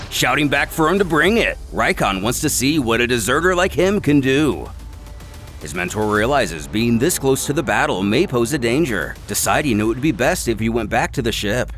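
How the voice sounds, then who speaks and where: A man's voice: mid-range voice, fairly bright tone. A man delivering scripted, dramatic narration of a story. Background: music.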